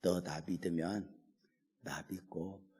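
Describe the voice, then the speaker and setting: A man voicing God as a calm, fatherly deity who speaks in a dry, teasing way, recorded with a long hall reverb. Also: deep voice, takes it slowly, pitched below the performer's own voice.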